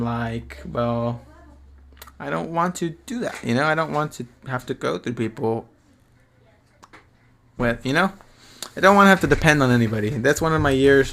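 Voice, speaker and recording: A man's voice: medium pitch, fairly bright tone. A man of twenty hosting his own podcast, talking alone in a rambling, slangy way, swearing often and restarting his sentences. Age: 20s. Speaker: podcast host. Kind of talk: casual reflective solo monologue.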